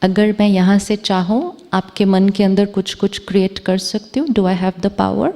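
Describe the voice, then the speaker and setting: A woman spiritual teacher speaks in an unhurried, measured way, posing the same question to her audience again and again. Her voice is warm and mellow, with a long reverb trailing behind it from a large hall. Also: mid-range voice, steady tone. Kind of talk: spiritual talk to a live audience.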